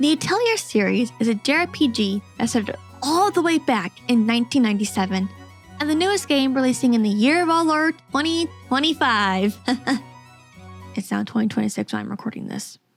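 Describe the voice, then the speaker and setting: A woman's high-pitched voice at a fairly quick pace with lively intonation, music in the background. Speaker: VTuber. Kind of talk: casual gameplay commentary. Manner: fast.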